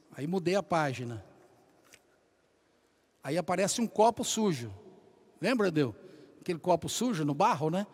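A man preaching a sermon, telling lively stories and calling out to the congregation as brothers. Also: sits high. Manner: animated storytelling, addresses congregation as brothers.

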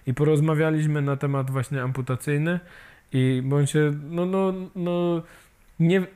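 In a casual interview, an amputee who volunteers in peer support talks in a fairly high, mellow, smooth voice with a steady tone. His speech is halting, full of fillers and restarts as he hunts for words, and he closes with tag questions.

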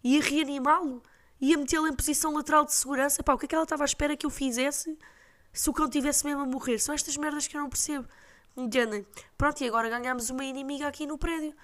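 A woman with a European Portuguese accent tells a story on her podcast in a blunt, exasperated monologue. Her voice sits high for a woman. She swears casually. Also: fairly even intonation, very fast, a bit bright. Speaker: podcast host.

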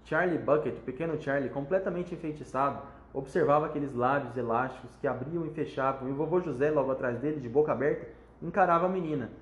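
A man reading a children's book aloud in an expressive, animated way. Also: medium pitch, fast, hardly any pauses, reverberant. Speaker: storyteller.

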